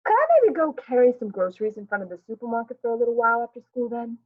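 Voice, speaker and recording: A woman's voice: a little high, lively intonation, fast, narrow, tinny audio, voice pushed up. A woman voicing a stubborn, sulky young schoolboy who pleads and grumbles. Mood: pleading.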